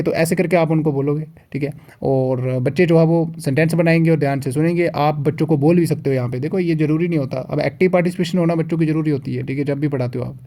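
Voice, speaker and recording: A young male teacher walks through a lesson plan in a relaxed, conversational way. His voice sits a little high but sounds mellow and soft-edged. He keeps checking that listeners follow and slows down to read written lines aloud. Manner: repeats checks like "theek hai", reads written lines slowly. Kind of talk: casual teaching walkthrough, mixing Hindi and English.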